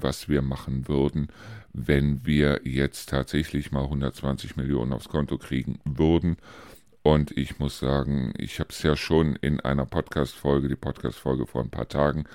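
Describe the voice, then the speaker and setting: A man's voice: very deep voice, a little mellow, dry recording, studio quality. A man in his fifties from Germany, hosting a casual podcast monologue, rambling and chatty with frequent hesitations. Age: 50s. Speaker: podcast host.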